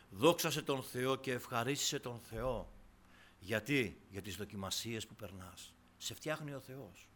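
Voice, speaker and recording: A man preaching a sermon to his congregation, impassioned, dropping to hushed tones and then rising to loud, fervent exclamations. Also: mid-range voice, a little hiss or hum.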